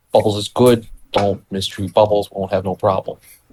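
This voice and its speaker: A put-on character voice with monotone, flat intonation at a moderate pace, dry and close with no echo. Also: man, fairly low pitch for a man. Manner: threatening, tough.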